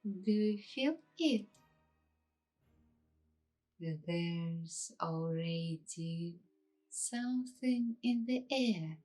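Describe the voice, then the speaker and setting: A woman guiding an ASMR meditation in a hushed, unhurried way, leaving long pauses between short phrases. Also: lowish voice, expressive, faint music behind. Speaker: ASMR host and meditation guide. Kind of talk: slow ASMR guided meditation.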